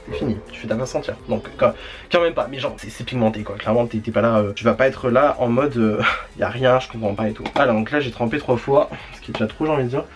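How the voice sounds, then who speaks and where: A man in a mid-range voice talks through a makeup review from home. His chat is loose and rambling, full of fillers and slang, and he often laughs at himself. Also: mid-range voice. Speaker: beauty vlogger.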